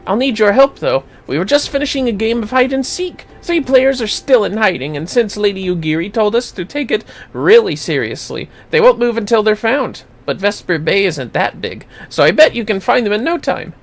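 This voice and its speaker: Streamer as courteous, earnest youth, game dialogue, raised pitch, lively, formal phrasing. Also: normal speed, hardly any pauses. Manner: polite, formal, explanatory.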